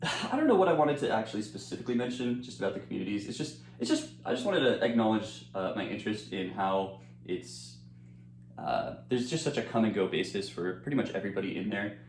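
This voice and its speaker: A man's voice: on the low side, expressive, fast talker, reverberant, a little hiss or hum. A young American man chatting casually as he eats on camera, rambling with lots of fillers and restarts, sometimes talking with his mouth full. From United States. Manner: talks with his mouth full while eating. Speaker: eating-channel creator. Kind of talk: casual chat while eating.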